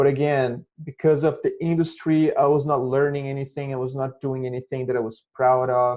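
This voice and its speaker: Speaking with a Brazilian accent, a man with a fairly high pitch keeps a monotone, flat intonation at a moderate pace. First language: Portuguese. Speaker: motion designer and animator. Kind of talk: interview. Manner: hesitant with many fillers.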